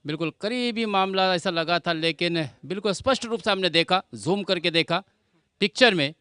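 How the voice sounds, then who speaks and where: A man's voice: high-pitched, moderate pace, bright, forceful tone, clear, resonant tone, dry recording. A man giving live cricket commentary, explaining the play and addressing viewers as friends.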